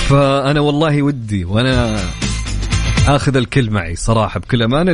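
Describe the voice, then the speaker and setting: A man with a Saudi accent hosting live radio, effusive, welcoming and colloquial, chatting through contests and announcements. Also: mid-range voice. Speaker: radio show host. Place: radio studio. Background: music bed.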